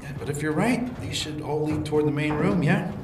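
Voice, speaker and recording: A man voicing a wry young man trapped in a dark station, joking dryly to stay calm in an audio drama. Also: fairly high pitch, a little fast, recorded from a distance, natural voice. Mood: worried. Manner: dry, self-mocking humor. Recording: echoey room, off-mic, music behind.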